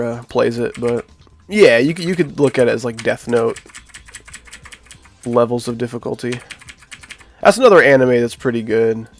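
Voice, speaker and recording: A man with a nasal voice from being sick, chatting casually to his live-stream viewers while he builds a game level. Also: mid-range voice. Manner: chatty, talks to chat while working.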